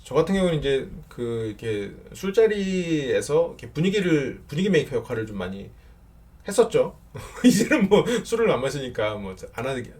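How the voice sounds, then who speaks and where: A middle-aged man giving casual counseling advice with a fairly loud voice, talking in an animated way and laughing often. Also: medium pitch. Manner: animated, laughs often, acts out short example lines. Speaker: counselor answering viewer questions.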